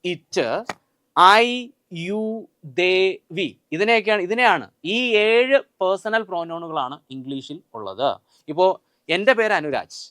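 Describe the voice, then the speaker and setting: A man with a Malayali accent teaches an exam-prep grammar lesson in a high, clear voice. He drills lists aloud and keeps quizzing his viewers with the same question. The sound is dry and close, with no room echo. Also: a bit bright. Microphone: filmed by a camera operator.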